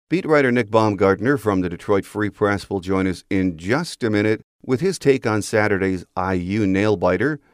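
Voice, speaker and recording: A man's voice: fairly low pitch, no echo, clean studio sound. A middle-aged man hosting a sports podcast, reading an earnest, fan-like opinion piece in a scripted monologue. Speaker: podcast host.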